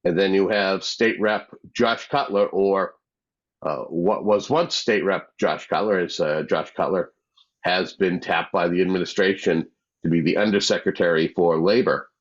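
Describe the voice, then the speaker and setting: A man's voice: deep voice, a little slow. A man hosting a community cable talk show, introducing his guest in a conversational, filler-heavy way. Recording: dull lo-fi sound.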